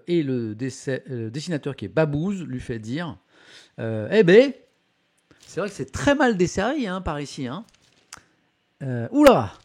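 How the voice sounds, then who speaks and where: A man's voice: medium pitch, vocal fry, mellow, husky. A man hosting a casual live-stream press review, reading articles aloud with chatty asides to his viewers and plenty of hesitation sounds. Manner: chatty, many fillers, reads articles aloud with asides to chat.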